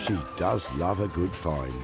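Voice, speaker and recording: A man's voice: low voice, unhurried, over music. A man narrating a TV show in a playful, teasing scripted voice-over.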